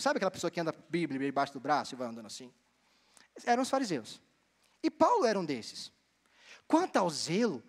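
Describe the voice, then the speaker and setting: A young man from Bahia, Brazil, preaching a sermon as a seminarian and telling stories with lively delivery. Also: sits high. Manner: storytelling, animated, addresses the congregation directly. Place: church hall. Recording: long church hall reverb.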